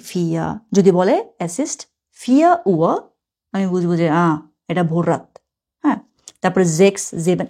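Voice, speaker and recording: A woman's voice: lowish voice, a little mellow. A woman teaching German from a textbook, chatty, explaining words step by step and correcting herself as she goes.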